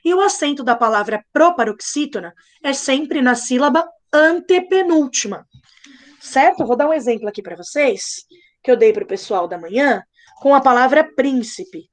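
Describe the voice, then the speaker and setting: A young woman teaching a live online class to children, patient and playful, slowly spelling things out. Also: sits high, expressive. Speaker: primary school teacher.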